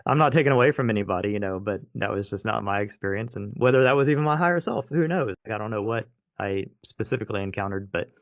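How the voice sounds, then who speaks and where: A man's voice: fairly low pitch, fast, hardly any pauses, dry recording. Rambling man hosting a podcast. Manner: rambling, with many restarts and fillers. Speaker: podcast host. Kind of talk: casual conversation. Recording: dry muffled podcast audio.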